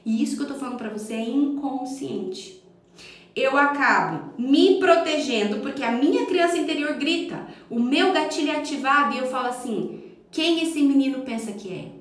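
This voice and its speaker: A woman's voice: high voice, moderate pace. A Brazilian woman, a parenting educator, giving an earnest, emphatic live talk straight to her listeners on a phone mic. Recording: echoey room.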